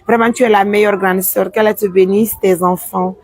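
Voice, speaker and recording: A mother from Guinea hosts a casual live stream, reading out and answering viewer comments in a mix of French and a local language. Her mid-range voice is steady and moderately paced, with no room sound.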